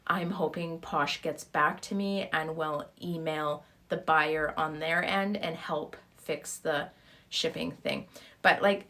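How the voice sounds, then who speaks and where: A woman with a slightly hoarse, sore-throat voice, telling a story in a casual, exasperated vlog style with acted-out reactions. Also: deep voice, fairly even intonation, slow pace, bright, forceful tone. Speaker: YouTube host and online reseller.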